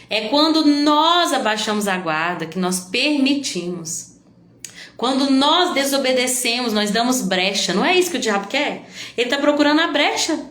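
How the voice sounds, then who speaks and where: A woman preacher, giving a confessional, emotional sermon that now and then bursts out loudly. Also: medium pitch, roomy sound. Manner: confessional, emotional preaching with sudden loud outbursts.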